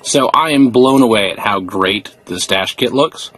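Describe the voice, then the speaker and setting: A man in a casual how-to video, talking in a relaxed, explanatory way while he works with his hands inside a car. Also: lowish voice, measured pace, a little hiss or hum, rough recording. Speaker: car interior DIY reviewer.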